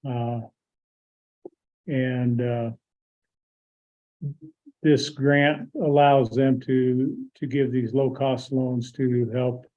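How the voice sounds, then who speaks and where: Hoarse, halting man chairing a meeting. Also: medium pitch, little pitch movement, warm tone. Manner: halting, many filler pauses. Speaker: county commissioner chairing a meeting. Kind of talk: public board meeting. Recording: tinny phone-like audio.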